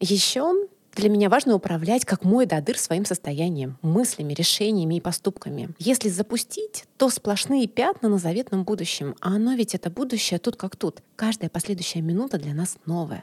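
In a dry, close recording with no echo, a woman with a medium pitch speaks at a moderate pace in a warm, somewhat breathy tone. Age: 40s. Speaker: podcast co-host. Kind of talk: casual chat; heartfelt advice. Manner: warm and soft.

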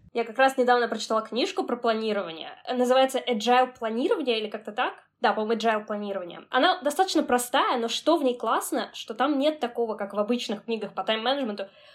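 A woman's high-pitched, very fast speech with lively intonation, on a very clean recording with a silent background. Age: 20s. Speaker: English teacher and new mother. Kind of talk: casual interview.

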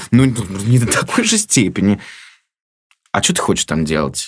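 Vocal fry colors a man's medium-pitched voice as it moves through very wide pitch swings. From Russia, Samara. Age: 30s. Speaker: magazine editor, journalist. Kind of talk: interview conversation.

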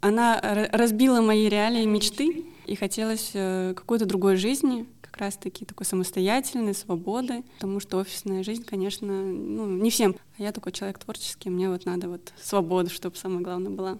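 Here is an unremarkable speaking voice at a moderate pace. Pitch variation is ordinary. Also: woman, medium pitch for a woman. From Kazakhstan, Almaty. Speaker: entrepreneur. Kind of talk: interview.

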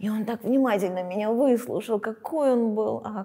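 A woman's dark, mellow voice with ordinary pitch variation, on a very clean recording with a silent background. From Grozny, Chechnya, Russia. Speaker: English teacher and teacher trainer. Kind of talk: interview testimony.

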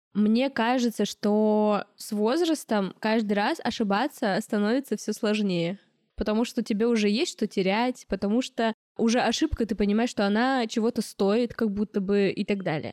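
In a very clean recording with a silent background and a dry, close sound with no echo, a woman with a fairly high pitch uses an ordinary speaking voice at a moderate pace, with very even loudness and ordinary pitch variation. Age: 20s. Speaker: podcast host. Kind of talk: casual chat.

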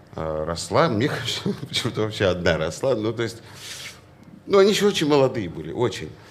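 A man's voice makes very wide pitch swings. Audible room echo and noticeable background noise fill the recording. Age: 40s. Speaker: rock band frontman. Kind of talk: casual chat.

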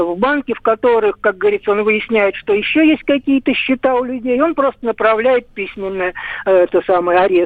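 A man at a high pitch, with ordinary pitch variation and a moderate pace. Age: 60s. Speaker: caller. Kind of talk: call-in complaint.

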